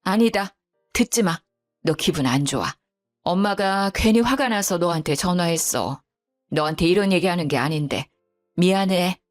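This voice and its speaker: A woman's voice: lowish voice, normal speed, soft background music, close to an everyday voice. A woman doing an indignant middle-aged mother. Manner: agitated, indignant, talkative. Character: middle-aged mother, worried then furious.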